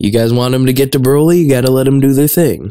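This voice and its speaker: Against a quiet background, a man talks at a fairly quick pace, the sound dry with no echo. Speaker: reaction video creator. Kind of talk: casual vlog chat. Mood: mildly ranting, playful. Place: home room. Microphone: studio mic.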